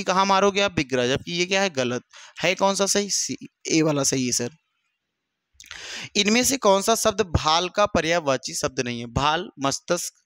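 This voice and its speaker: Man, teacher, exam-prep lesson, animated, repeats answers, fairly high pitch, dry close sound. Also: dry recording. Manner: animated, repeats answers, voices students' replies, addresses listeners as bhaiya. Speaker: Hindi teacher.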